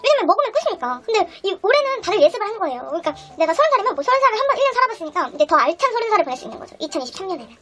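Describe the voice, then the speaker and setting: In rapid-fire, very high-pitched chatter, a young woman eats on camera for her mukbang vlog, humming excitedly as she tastes food between bites. The camera rests on the table before her, in a small room and later a busy restaurant, where music and chatter fill the background.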